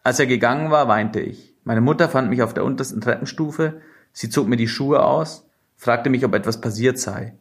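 A man reads a novel aloud in the first person, at a mid pitch for a man. His narration is measured and expressive, in a steady storytelling manner. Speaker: audiobook narrator.

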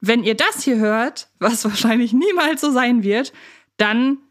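A woman's voice: fairly high pitch, a little slow. A woman co-hosting a podcast in an informal, chatty style, bantering with her partner. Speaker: podcast co-host.

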